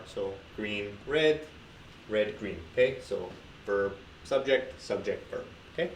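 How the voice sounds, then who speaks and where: Homem americano, professor de inglês, explica gramática com paciência, sala com eco, leve ruído. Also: male voice, medium pitch. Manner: patient, repeats key points with many "okay?" checks. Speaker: English teacher. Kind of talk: explaining grammar at a board. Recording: echoey room with faint noise.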